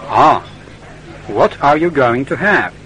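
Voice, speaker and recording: An actor playing a polite young foreign student who speaks careful, formal, slightly halting English in a scripted lesson dialogue. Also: male voice, medium pitch, animated, a bit bright, a little hiss or hum, rough recording. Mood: earnest. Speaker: interviewee.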